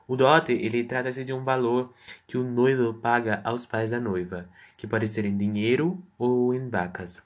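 A man answering interview questions as a guest, reading prepared answers with stumbling restarts. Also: medium pitch.

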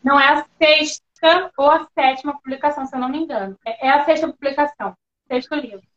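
A woman from Porto Velho talks as the guest of a live-stream interview, chatty, expressive and quick to poke fun at herself. Her voice sits high. The sound is dull and muffled, like a lo-fi line. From Porto Velho, Rondônia, Brazil. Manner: chatty, expressive, self-deprecating. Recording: dull lo-fi audio.

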